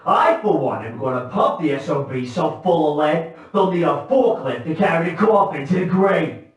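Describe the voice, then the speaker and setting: A man's voice: on the high side, moderate pace, close to an everyday voice. An actor playing a tense, tough-talking mob gunman in a crime video game, full of anxious bravado. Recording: very echoey, distant from mic.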